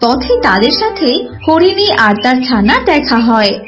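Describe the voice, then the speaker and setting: A woman's voice: high-pitched, very animated, a little slow, music in the background. A woman narrating a scripted children's story.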